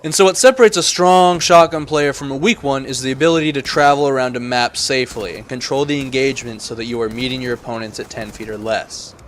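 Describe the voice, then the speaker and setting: A man's voice: medium pitch, fast talker, hardly any pauses, slight background noise. A man giving casual, sweary gameplay commentary in a blunt, aggrieved ranting manner. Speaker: gaming commentator. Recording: voice-over with music behind.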